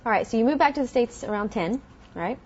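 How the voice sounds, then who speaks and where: Female interviewer, brisk and prompting; slightly high pitch, dull recording. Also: animated, darkish tone. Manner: brisk, prompting, short acknowledgements. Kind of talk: interview questions. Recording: dull lo-fi sound.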